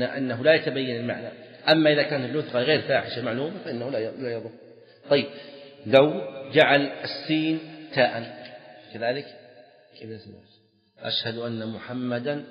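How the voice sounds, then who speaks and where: Male sheikh, lecture delivery, repeats points and clears throat; roomy, dull lo-fi capture. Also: mid-range voice. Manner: quizzes students, repeats key phrases, clears throat often. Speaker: sheikh teaching Islamic jurisprudence. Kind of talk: classroom lecture explaining a text. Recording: echoey hall, dull lo-fi sound.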